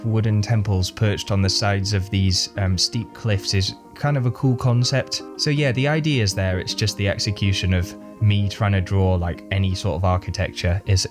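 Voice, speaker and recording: A man with a stuffy, bunged-up voice from a cold, narrating his drawings in a rambling, self-deprecating voiceover. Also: mid-range voice. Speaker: artist and channel host. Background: plucked guitar music.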